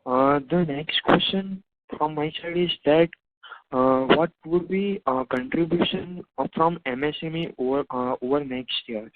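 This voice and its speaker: A man's voice: a little high, unhurried, no room sound. Hesitant Indian man on a dry phone line. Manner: hesitant, repetitive. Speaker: caller asking analyst questions.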